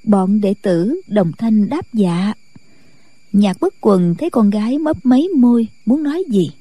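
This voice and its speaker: Husky-voiced woman narrating an audiobook. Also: mid-range voice, no room sound. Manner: steady, measured storytelling. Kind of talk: audiobook narration of a martial-arts novel.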